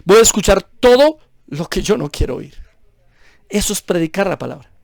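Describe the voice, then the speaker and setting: A man's voice: high voice, animated, moderate pace, creaky, a little mellow, dry recording, clean studio sound. A man preaching a sermon as a pastor, emphatic and full of rhetorical questions.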